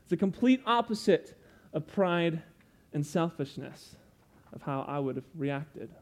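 An earnest young man delivering a sermon, his voice sitting a little high for a man. He explains patiently, like a teacher walking a congregation through a lesson, with frequent asides. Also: expressive, measured pace. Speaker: preacher.

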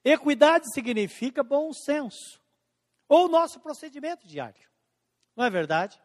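A man preaching a sermon as pastor, slowing down and stretching out scripture quotes, swinging between emphatic and hushed lines. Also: extremely high pitch, big pitch swings. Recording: long hall reverb.

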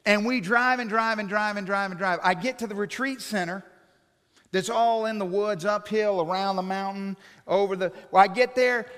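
High-voiced preacher man in echoing hall. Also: moderate pace, clean tone. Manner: animated, jokey anecdotal delivery. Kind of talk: humorous sermon storytelling. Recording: long reverb of a large hall.

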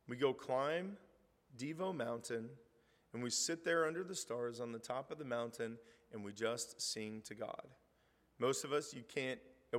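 A hoarse middle-aged man preaching in a church hall, the long reverb trailing after his words. His pitch sits in the middle range, and his talk is easy and conversational, rising in emphasis when he reads scripture aloud. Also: a bit bright. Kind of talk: sermon.

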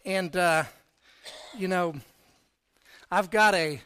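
A middle-aged man preaching a sermon, telling personal stories in a conversational way that swings from quiet to loud emphasis. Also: high-pitched, slow pace, clean tone. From Texas, raised in Florida.

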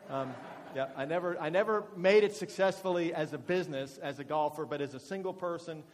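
A man in his forties speaks as a guest at a church, chatty and self-deprecating, stumbling over his words now and then. His voice sits a little high for a man. The room rings with a long, hall-like echo. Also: brisk, slight background noise. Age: 40s. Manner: chatty and self-deprecating, with frequent fillers and restarts. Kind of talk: testimony talk to a congregation.

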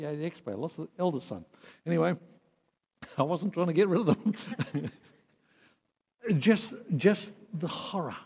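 A man preaching a sermon, earnest, swinging from emphatic peaks to soft, quiet passages. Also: fairly high pitch, breathy edge. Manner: earnest, rising to emphatic then dropping soft. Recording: long hall reverb.

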